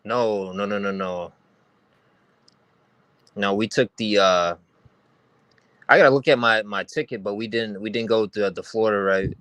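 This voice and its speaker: A man with a New York accent talks easygoing and joking as a call-in guest. His voice sits low but has a bright, forceful edge. The sound is dry, with no room around it. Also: fairly even intonation, measured pace, long pauses, smooth, no room sound. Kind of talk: casual chat. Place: in a car while driving.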